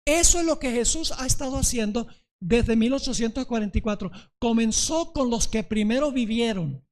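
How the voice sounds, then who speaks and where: A man's voice: very high voice, normal speed, a little mellow. A male pastor giving a sermon, often checking whether the congregation understands and retelling a parable dramatically. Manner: preaching, often asking the congregation if they understand.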